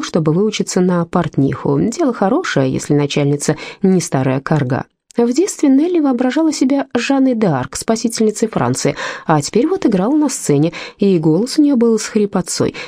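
A woman reading a literary novel aloud as an audiobook narrator, measured and expressive. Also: lowish voice, no echo. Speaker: audiobook reader.

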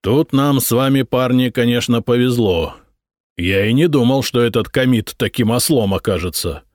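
A man's voice: medium pitch, normal speed, no echo, studio quality, lightly acted. A man voicing a blunt, businesslike gang leader. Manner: matter-of-fact, decisive.

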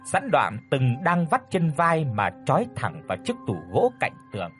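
A man narrating a horror story in a dramatic, expressive way. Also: on the high side, moderate pace. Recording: dry with faint music.

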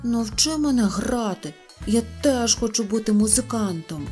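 A woman doing a high, excitable little shorty boy. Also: normal speed, soft background music, lightly acted. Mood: eager. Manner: shouting in alarm, breathless exclamations. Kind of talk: audiobook character reading.

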